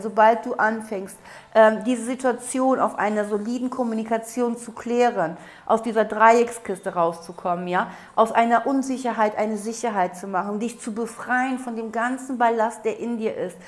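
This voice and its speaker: A woman with a hoarse voice after a cold gives a tarot reading. She speaks straight to the viewer in a coaxing way and repeats herself often. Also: fairly high pitch. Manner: repetitive, coaxing, addresses viewer directly. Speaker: tarot reader. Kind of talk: interactive tarot reading to camera. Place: room at a table with candles.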